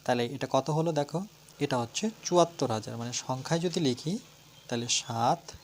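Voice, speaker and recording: A man's voice: medium pitch, slight background noise. Bengali man teaching a math lesson. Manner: talks through steps, asking and answering his own questions; counts slowly aloud and spells words letter by letter.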